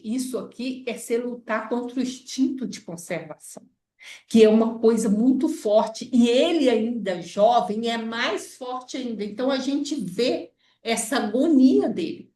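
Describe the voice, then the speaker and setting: A woman's voice: a little high, a little mellow, far from the mic. A Brazilian woman leading an informal Bible study lesson, explaining and often checking in with her listeners. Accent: Brazilian Portuguese. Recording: echoey room, voice off-mic.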